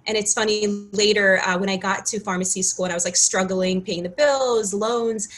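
A woman's voice: mid-range voice, fairly even intonation, moderate pace, a bit bright, low-quality recording. A woman in her thirties from Ukraine, a pharmacist guest chatting in an interview, earnest and given to restarts. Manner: earnest, restarts often, many "you know"s. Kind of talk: casual interview chat.

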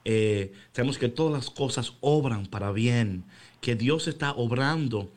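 A man co-hosting a casual faith chat on the radio, animated and slipping into English phrases. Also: medium pitch, unhurried. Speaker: radio devotional co-host.

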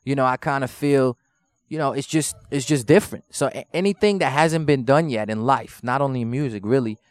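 Smooth-voiced laid-back rapper guy. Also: medium pitch, brisk, no echo. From Netherlands. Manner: laid-back street slang, frequent swearing and "you know what I'm saying". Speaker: rapper guest. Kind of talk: casual interview chat.

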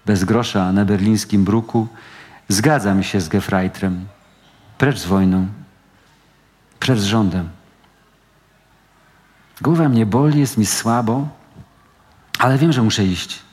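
A male actor giving a measured, expressive dramatic reading of first-person literary prose at a book event. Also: lowish voice. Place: event hall at a book meeting. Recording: long hall reverb.

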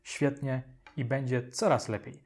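A man's voice: mid-range voice, fairly even intonation, unhurried, darkish tone, close to an everyday voice. A man doing an upbeat young doctor. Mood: cheery. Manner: upbeat, reassuring. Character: cheerful young male doctor, soothing and optimistic. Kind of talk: audiobook character voice.

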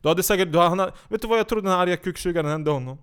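A man with a high, smooth and resonant voice launches into an angry rant. He swears constantly and mocks his targets with biting sarcasm, scolding them as if they were right in front of him. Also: a bit bright. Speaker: commentator. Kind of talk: heated profane rant.

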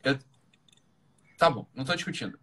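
A man with a Brazilian accent giving informal, opinionated advice in a blunt, emphatic way, repeating phrases and asking rhetorical questions, with a husky voice. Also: mid-range voice, expressive, normal speed, bright, forceful tone. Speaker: live-talk host giving relationship advice.

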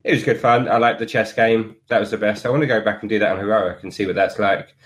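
A man co-hosting a casual podcast, dry and deadpan in his quips. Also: on the low side, fast talker. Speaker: podcast co-host.

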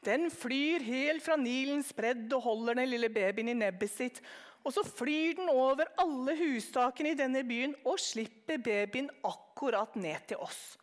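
A jovial father spins a tall tale with hearty, teasing cheer, read by a woman. Her voice stays high in this storybook telling. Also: lightly acted.

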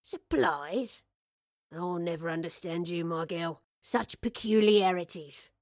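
A woman's voice: fairly low pitch, slow pace, a little mellow, no echo, studio quality. A woman voicing an elderly male map-shop keeper in an audiobook story, kindly and playfully grumbling, with old-fashioned fond turns of phrase. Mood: fond, teasing. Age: older.

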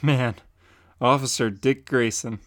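A man's voice: medium pitch, steady tone, takes it slowly, no room sound, studio quality, close to an everyday voice. A man voicing a cheeky teenage boy sidekick in a dramatic comic reading, asking curious questions.

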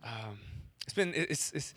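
A man's voice: mid-range voice, expressive, measured pace, fairly bright tone, slightly rough, no echo. A young man from Wisconsin telling a personal story to an audience, with a stutter that repeats words and cuts off syllables.

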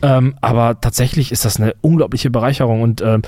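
A man's voice: medium pitch, steady tone, fairly quick, mellow, no echo. A man co-hosting a casual podcast, rambling and emphatic, full of fillers and restarts, close to the mic. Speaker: podcast co-host.

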